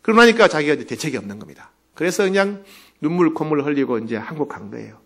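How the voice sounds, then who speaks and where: A man's voice: a little high, sing-song, fast, gravelly, a bit bright. A male pastor preaching a sermon, telling the story vividly and acting out its people.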